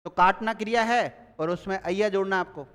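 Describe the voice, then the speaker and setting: A man's voice: high-pitched, fairly even intonation, fairly quick, fairly bright tone, smooth, long reverb tail. A man teaching a grammar class, quizzing his students and repeating key words as they take notes.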